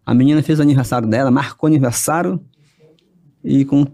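A man's voice: mid-range voice, quick pace, dark tone. A man, a singer-songwriter guest, giving earnest, emotional, rambling answers in a casual interview.

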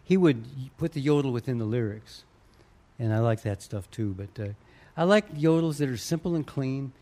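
A man's voice: mid-range voice, animated, normal speed, warm tone. A man, a singer and yodeler, chatting casually in an interview and explaining his technique, breaking into short yodel demonstrations.

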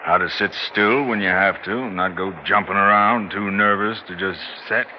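An actor playing a gruff old Alaskan mountain man and prospector, folksy, wry and stubborn, in an old drama. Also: lowish voice, moderate pace, close to an everyday voice. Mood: stern, unhurried. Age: older. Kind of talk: old broadcast drama acting. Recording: muffled, noisy old drama soundtrack.

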